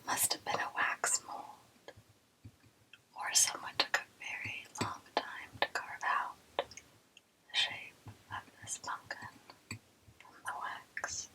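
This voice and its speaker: A woman whispering softly as she hosts an ASMR poetry reading and adds playful, old-fashioned quips. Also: slow, pauses often, low-quality recording. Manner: soft unvoiced whisper, playful archaic quips.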